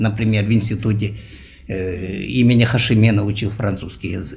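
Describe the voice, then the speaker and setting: Here a man is talking. There's a somewhat breathy quality to his voice. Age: 70s. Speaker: round table participant. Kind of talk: panel discussion. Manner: halting.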